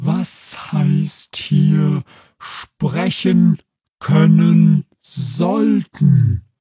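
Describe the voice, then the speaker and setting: Growling in a put-on character voice, the speaker goes at a very slow pace. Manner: indignant, challenging.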